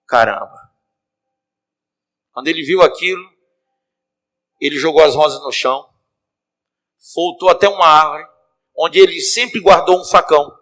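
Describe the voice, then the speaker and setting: A bishop preaching in church tells a story as a sermon, speaking in Cearense Brazilian Portuguese and calling out animatedly to the congregation. His voice is a little high, and he talks somewhat slowly with frequent pauses.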